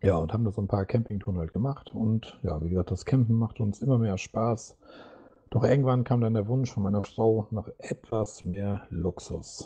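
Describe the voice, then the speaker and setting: A man talks at a moderate pace with a fairly low pitch and ordinary pitch variation. His tone is dark and mellow, and somewhat breathy. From Schleswig-Holstein, northern Germany (near Rendsburg). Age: 40s. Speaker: podcast co-host, electrician's helper. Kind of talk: casual chat.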